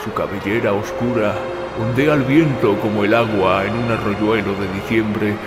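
A man's voice: lowish voice, fairly even intonation, moderate pace, over music, lightly acted. A man playing an earnest, concerned local companion in an audio drama. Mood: tender wonder. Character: earnest local companion, also narrating his own thoughts. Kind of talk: Spanish-language audio drama acting. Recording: echoey reverb, outdoor wind ambience behind.

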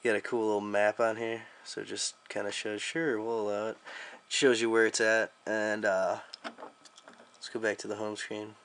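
Young American male reviewer, low but bright, forward voice, slangy and joking in a casual demo. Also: flat delivery, normal speed. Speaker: app reviewer. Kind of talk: casual app demo vlog.

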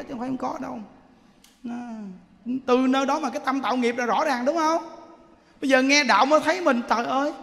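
A high-voiced man with a Southern Vietnamese accent gives an animated Buddhist sermon. He keeps checking in with his listeners through rhetorical questions, and his voice rings out in a long hall reverb. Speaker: Buddhist preacher.

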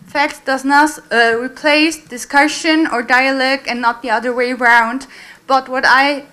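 A woman's voice: high-pitched, pushed and bright. A woman commenting from the floor of a lecture hall into a handheld mic, earnest and searching for words. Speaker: audience member.

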